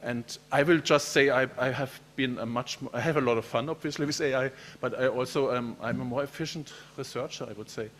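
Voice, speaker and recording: A man's voice: medium pitch, brisk, few pauses, fairly bright tone, slight background noise. A man, a professor giving a keynote lecture in a friendly, chatty way, often repeating words as he speaks. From Germany.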